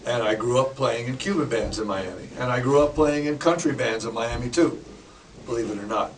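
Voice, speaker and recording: Relaxed older drummer, far from the mic. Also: male voice, mid-range voice, a little fast. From Canada. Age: 60s. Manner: relaxed storyteller, sings snippets, jokes. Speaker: drummer and educator. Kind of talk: casual interview talk. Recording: distant mic with clear background noise.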